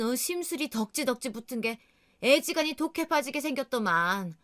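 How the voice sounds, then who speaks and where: A woman putting on a sharp-tongued older mother in a storybook reading, scolding and gossiping in an indignant rush. Her pitch rides high and jumps around.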